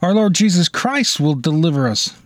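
A man's voice: a little high, big pitch swings, normal speed, dry recording. A man hosting a radio segment, playing along warily and a little reluctant, in a scripted sketch. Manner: wary, playfully reluctant. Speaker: radio host.

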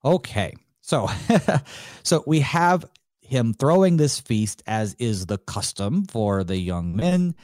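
A man's voice: medium pitch, sing-song, slow pace, a little mellow, no echo, studio quality. A male pastor hosting a solo Bible study, talking it through in a conversational way, thinking aloud with light chuckles. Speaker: pastor and host.

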